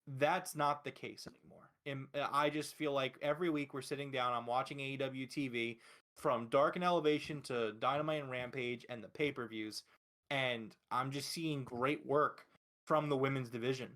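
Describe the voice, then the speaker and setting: A man hosting a podcast speaks at a normal speed in a mid-range, fairly bright voice with fairly even intonation. His wrestling talk is casual yet emphatic, full of strong views and regular swearing.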